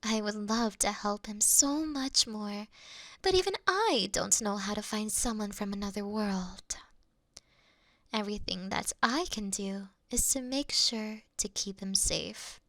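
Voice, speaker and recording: A woman playing a mischievous, affectionate fox-spirit shrine priestess in an intimate roleplay, coy and teasing, often slipping into a breathy whisper. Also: mid-range voice, a bit bright, dry recording. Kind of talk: intimate roleplay ASMR acting.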